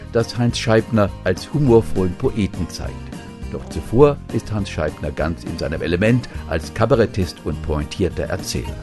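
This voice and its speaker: A man's voice: sits low, darkish tone. A man presenting a radio tribute with scripted, announcing delivery. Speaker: radio host.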